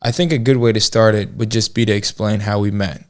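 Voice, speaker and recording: A man's voice: on the low side, steady tone, a little fast. A man in his twenties with an American accent, chatting casually as a podcast co-host in a joking, talkative way. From Georgia, United States. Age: 20s. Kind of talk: casual relationship podcast chat.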